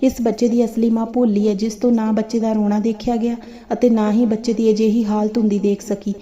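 A woman voicing a calm, wise male holy man who lectures sternly as he judges a dispute. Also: a little high, fairly quick, close to an everyday voice. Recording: dull lo-fi recording.

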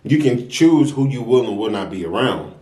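A man's voice: medium pitch, lively intonation, moderate pace, mellow. A young American man talking casually to camera as a mukbang vlogger, giving emphatic, preachy advice with repeated phrases. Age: young adult. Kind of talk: casual advice talk to camera while eating. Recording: roomy echo.

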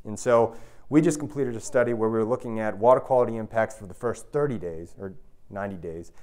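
Lecturing to an audience in an indoor room, a university researcher, an American man in his thirties, explains his points emphatically and keeps checking in with the crowd. His voice is lowish and a little mellow, and he talks at a quick pace.

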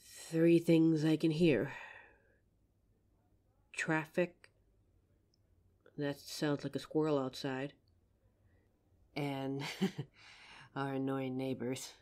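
A gentle young werewolf girlfriend, played by a woman, talking low and unhurried in a soft, breathy audio-drama voice. Her tone is mellow and dark, and she sounds tender with her partner. She lingers over each word. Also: little pitch movement. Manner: tender, slow, grounding exercise. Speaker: voice actor. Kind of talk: F4A audio roleplay.

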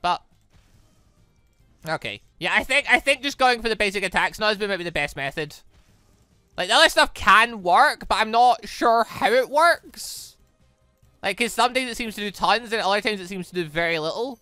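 A gaming host talks through play in a bright, animated voice, rambling and thinking aloud. The sound is dry and close to the mic, with game music faintly underneath. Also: mid-range voice, moderate pace, no echo. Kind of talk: excitable let's play commentary and dialogue read-aloud.

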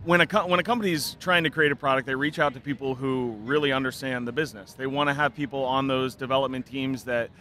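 A man in his thirties talks earnestly into a close desk mic, his voice bright and forward. He lays out his answers in a measured, thoughtful way. Faint trade-show chatter hums behind him. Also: medium pitch, fairly even intonation, slight background noise. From Spokane, Washington, United States. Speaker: hairdresser and product developer, guest. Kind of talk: casual interview. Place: booth at a busy trade show hall. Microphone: desk mic on a stand, close.

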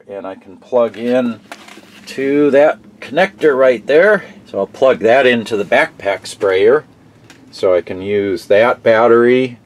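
A middle-aged man casually narrating a hands-on repair in his workshop, thinking aloud with halting fillers, recorded on the camera mic. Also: on the low side. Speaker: DIY repair vlogger. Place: garage workshop and shed.

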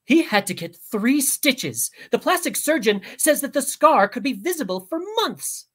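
Brief: a prattling, outraged mom in a storybook, high and shrill, as a woman puts her on. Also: big pitch swings, unhurried, full character voice. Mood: indignant. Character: overprotective, indignant mother of a spoiled boy.

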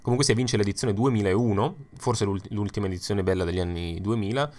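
Young adult male host, deep voice, casual opinionated commentary full of asides. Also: quick pace, darkish tone. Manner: chatty, opinionated, with frequent fillers and asides. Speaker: YouTube host ranking songs. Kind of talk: casual spoken commentary over slides.

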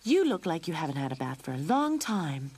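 A woman's voice: low-pitched, very animated, a little fast, a little mellow, slightly rough, exaggerated voice. A woman voicing a bold, haughty young female cat in a storybook.

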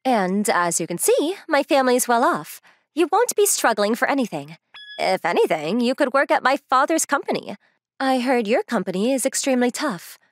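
A woman's voice: fairly high pitch, sing-song, normal speed, no room sound. A woman voicing a proud, blunt young rich woman in a manga dub, self-assured, matter-of-fact and teasing. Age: young adult.

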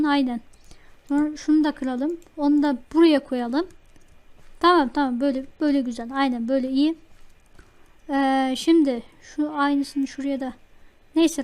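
A woman hosting a let's play, chatting to herself and her viewers as she plays, easily excited. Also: sits high. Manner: chatty, talks to self while playing, easily excited. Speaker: gaming channel host. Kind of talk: let's play game commentary.

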